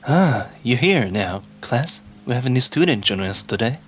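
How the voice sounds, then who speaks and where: A man's voice: medium pitch, expressive, normal speed, faint music behind, pitched above the performer's own voice, close to an everyday voice. A man voicing a smiling schoolteacher addressing a class with hammy delivery in a dramatic fan fiction reading. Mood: welcoming. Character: smiling schoolteacher welcoming a new student to class.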